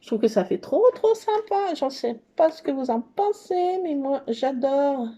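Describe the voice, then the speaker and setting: A woman's voice: high-pitched, expressive, unhurried, mellow. A woman hosting a scrapbooking channel, chatting casually and gushing as she works at a craft table and talks to herself along the way. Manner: bubbly, gushing. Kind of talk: casual craft tutorial chat.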